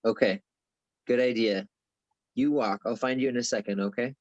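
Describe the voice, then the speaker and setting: A man's voice: medium pitch, normal speed, a little mellow, no room sound, muffled recording, natural voice. Man as an evasive young grad student, close and dry. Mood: placating. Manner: hesitant, defensive. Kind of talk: dramatic table read.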